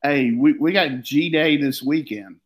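A man's voice: on the high side, takes it slowly. An older man, a former coach, chatting casually about football in a rambling, folksy, joking way. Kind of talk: casual sports talk.

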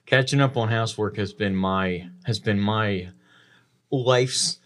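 A man co-hosting a podcast, telling casual anecdotes in an animated way. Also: on the low side, slow. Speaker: podcast co-host.

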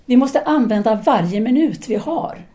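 Audio drama role: self-assured woman intellectual played by an actress, seductive, formal and articulate, dark mellow voice. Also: on the high side, animated, natural voice. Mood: earnest, philosophical. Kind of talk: audio drama dialogue acting.

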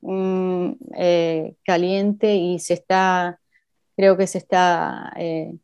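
A woman's voice: fairly low pitch, little pitch movement, very slow, darkish tone, clean tone. A woman with a mixed Cuban and Argentine Spanish accent, chatting casually as a guest. She hesitates often with fillers and slips in English phrases. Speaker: interview guest. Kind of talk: casual conversation. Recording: dull lo-fi recording.

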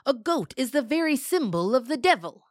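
A woman voicing a cruel, pompous old farmer who speaks in slow, archaic phrases. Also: sits high, sing-song, no echo, studio quality, pitched above the performer's own voice.

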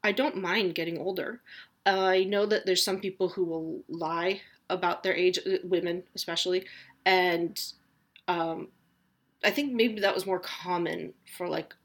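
A woman's voice: lowish voice, steady tone, measured pace. A woman in her forties hosting a casual solo podcast from home, chatty and rambling, with a self-deprecating humor. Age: 40s. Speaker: podcast host.

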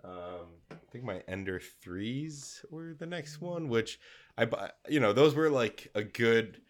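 A man's voice: mid-range voice, animated, a little slow, slight background noise. A man co-hosting a maker podcast, congested, chatting casually in a rambling way with many fillers and restarts. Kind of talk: casual chat.

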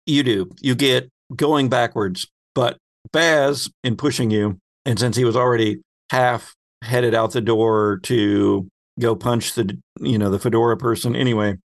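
Narrating a tabletop roleplaying game, a game master speaks conversationally, directing the players and explaining things by addressing them as their characters. His mid-range voice stays steady at a measured pace, and the recording is dry.

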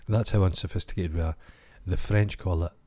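A man's voice: low voice, fairly even intonation, a little fast, warm tone. A middle-aged Scottish man co-hosting a casual podcast, rambling and joking through tangents. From Scotland. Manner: rambling, jokey, trails off into tangents. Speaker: podcast co-host. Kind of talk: casual comedic chat.

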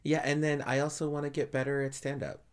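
A man in his thirties co-hosts a podcast in a slightly high, clean voice with little pitch movement, talking fast. The chat is casual, rambling a little, with easy laughs.

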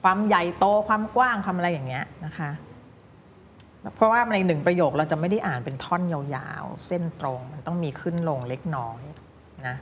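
A woman teaching English pronunciation, drilling single words slowly and then explaining quickly. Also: fairly low pitch, lively intonation, fairly bright tone, slight background noise. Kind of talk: pronunciation coaching. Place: recording studio.

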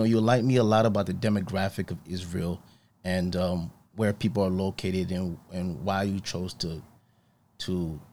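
Deep-voiced man hosting a podcast. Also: a little mellow. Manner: friendly, rambling, many fillers. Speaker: podcast host. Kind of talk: casual interview questions.

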